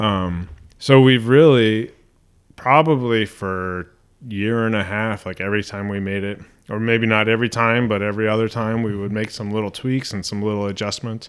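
A man speaks with a plain, everyday voice in an American accent, at a fairly low pitch. His pace is moderate and his intonation fairly even. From Kansas (Lawrence). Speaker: restaurant owner. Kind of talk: interview.

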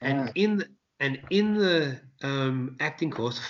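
Pitch variation is ordinary in an ordinary speaking voice that proceeds at a fairly slow pace. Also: man. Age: 50s. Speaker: street performer. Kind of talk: casual interview. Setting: video call.

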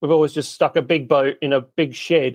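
A man with a plain, everyday voice talks at a fairly quick pace, fairly high in pitch and with fairly even intonation. The sound is dry and close with no echo, over a quiet background. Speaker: podcast host. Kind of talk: podcast interview.

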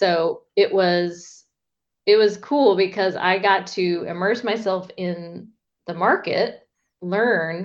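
In an American accent, a woman speaks at a very slow pace with a medium pitch. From US South, Mobile, Alabama. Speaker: realtor. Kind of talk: casual interview chat.

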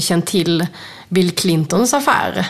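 Against noticeable background noise, a woman with a fairly low pitch talks at a moderate pace. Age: 40s. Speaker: podcast host, journalist. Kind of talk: interview conversation. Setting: studio in total darkness.

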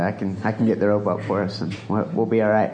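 Very fast speech from a man, with noticeable background noise behind it. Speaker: climber and writer. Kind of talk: live podcast panel chat. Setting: stage with audience.

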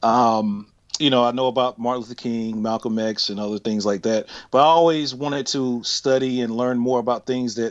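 A man's unremarkable speaking voice with an American accent, medium in pitch, at a moderate pace with ordinary pitch variation, over a quiet background. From North Carolina. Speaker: documentary filmmaker. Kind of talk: interview.

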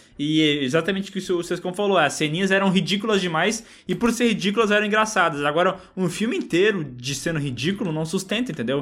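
A man with a high pitch and lively intonation at a very fast pace, on a very clean recording with a silent background. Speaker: film podcast co-host. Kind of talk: casual chat.

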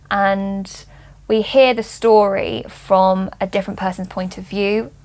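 A woman talks with a somewhat breathy voice. Her intonation stays fairly even. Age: 20s. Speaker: library office staff. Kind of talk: casual book discussion.

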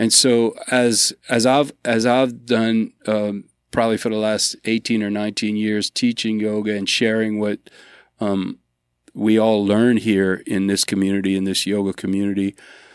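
At a moderate pace, a man speaks with a fairly low pitch and monotone, flat intonation, the sound dry and close with no echo in a very clean recording over a silent background. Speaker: yoga instructor and radio station manager. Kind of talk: casual interview conversation.

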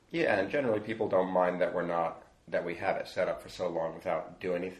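A man at a very fast pace, with audible room echo. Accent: American. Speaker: street performer. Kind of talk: casual interview.

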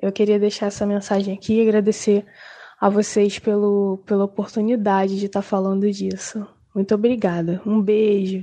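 At a moderate pace, a woman speaks at medium pitch in a monotone, flat intonation. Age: 20s. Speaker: baker. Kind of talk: testimony.

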